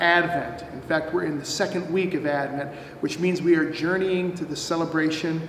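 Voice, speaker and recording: A man's high-pitched voice at a moderate pace, with fairly even intonation, audible room echo and light background noise. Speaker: minister. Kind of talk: worship welcome and announcements. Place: church.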